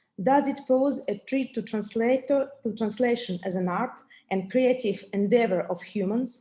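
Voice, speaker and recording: Speaking with a French accent at a moderate pace, a woman has a fairly high pitch, ordinary pitch variation and a dark, mellow tone. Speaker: conference presenter. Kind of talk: academic presentation. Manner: halting.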